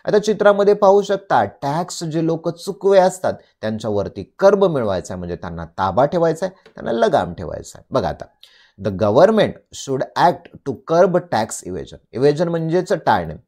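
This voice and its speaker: A man with a Marathi accent teaches vocabulary in a mellow, warm tone. His pitch rises and falls widely as he reads each English definition slowly. He then explains it and keeps asking the listener questions. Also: very animated. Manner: asks the listener rhetorical questions. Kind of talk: bilingual vocabulary lesson.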